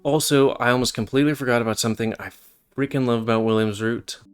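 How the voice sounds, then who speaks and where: A man's voice: mid-range voice, steady tone, quick pace, clear, resonant tone, soft background music. A man giving casual, rambling commentary over a video game, with chatty asides.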